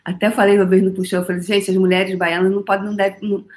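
Speaking very fast at medium pitch, this Brazilian woman leads a casual spiritual coaching workshop over live stream. Her tone is lively and playful; she laughs a lot and drifts from loose chatter into repeated, chant-like phrases.

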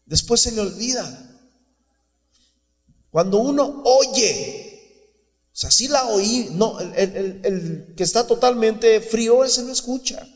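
A man's voice: high-pitched, animated, slow, long pauses, long reverb tail. A man preaching a sermon in a church, fervent and conversational, often calling the listener "brother". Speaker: pastor.

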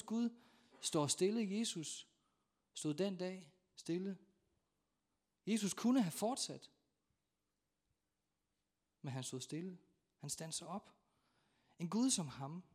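A man preaching in a church with a voice pitched a little above the usual for men. He tells the story with dramatic acted-out voices, dropping low and then breaking into loud shouts. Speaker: pastor. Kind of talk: sermon.

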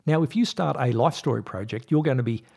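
A man's voice: medium pitch, fast talker, vocal fry, darkish tone, slightly rough. A man with an Australian accent hosting a podcast, speaking to his listeners in a chatty way. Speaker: podcast host.

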